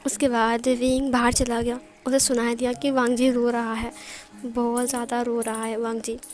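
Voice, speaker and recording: A woman's voice: on the high side, flat delivery, moderate pace, faint music behind. A woman narrating a fan fiction romance, voicing every character herself in a casual, conversational way. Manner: conversational storytelling with frequent restarts. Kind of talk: reading a romance story aloud, voicing all characters.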